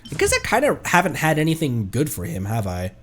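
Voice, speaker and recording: A man's voice: a little high, huge pitch swings, a little fast, fairly bright tone. A man commentating live on a game he plays and reading its text aloud, in a playful, exclaiming manner. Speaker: game streamer. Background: music.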